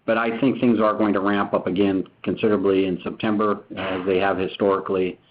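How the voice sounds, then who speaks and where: A male company executive answers business questions off the cuff in a fairly low voice. His way of talking is measured and explanatory. He comes through a narrow, tinny phone line. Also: little pitch movement, slight background noise. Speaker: company executive on an earnings call.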